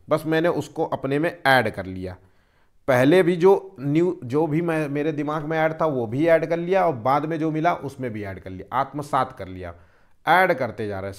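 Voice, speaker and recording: A male teacher with a somewhat high voice delivers a patient exam-prep lecture, asking questions and then answering them himself.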